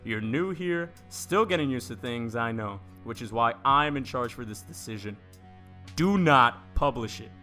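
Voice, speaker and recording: Man playing a stern newspaper boss, sharp forceful voice. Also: medium pitch, animated, measured pace, faint music behind. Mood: stern, insistent. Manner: curt, commanding. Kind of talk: audio drama acting.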